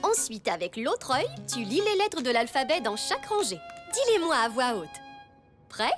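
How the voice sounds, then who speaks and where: Very animated, high-voiced cartoon eye doctor. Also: female voice, moderate pace, over music. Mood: instructing. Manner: clear, instructing, encouraging. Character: friendly, brisk eye doctor talking to a child. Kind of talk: children's cartoon dub.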